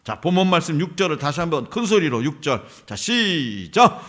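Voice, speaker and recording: Animated high-voiced male pastor preaching. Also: normal speed. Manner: emphatic, asks the congregation questions and answers them. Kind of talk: sermon. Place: church sanctuary.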